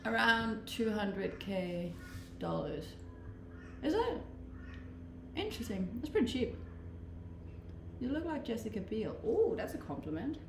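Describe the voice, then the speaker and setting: Danish woman with a gravelly voice, livestreaming. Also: a little high, big pitch swings, unhurried, reverberant, noisy background. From Denmark. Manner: chatty and self-deprecating, laughs often. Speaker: Twitch streamer. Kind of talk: casual live-stream chat, reading out and answering viewer comments.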